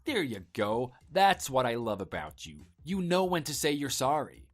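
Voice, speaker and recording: Man acting a smooth-talking, animated husband. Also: medium pitch, moderate pace, soft background music. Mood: insistent, placating. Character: evasive, smooth-talking husband coaxing his wife. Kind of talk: scripted dialogue for an online story drama.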